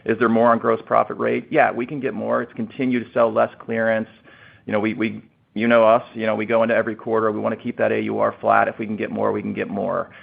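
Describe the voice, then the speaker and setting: Male finance executive, quick and husky, speaking informal business talk over a thin call line. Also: on the low side, level tone. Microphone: conference call line. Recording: narrow, tinny phone-line sound.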